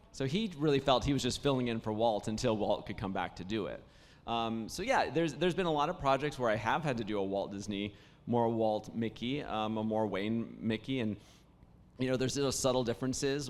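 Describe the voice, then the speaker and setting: A man, raspy and worn after days of talking, answers questions at a convention panel. His voice sits mid-range and rambles warmly through false starts. A long hall reverb trails every word. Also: medium pitch. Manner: warm storytelling, many restarts and fillers. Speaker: voice actor panel guest. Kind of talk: casual convention panel talk.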